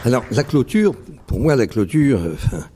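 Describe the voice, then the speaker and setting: A man giving a live public poetry reading. He explains his method haltingly, then reads his verse with rhythmic emphasis. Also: mid-range voice, very animated, dark tone, husky. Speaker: poet reading his own work. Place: library event before a live audience.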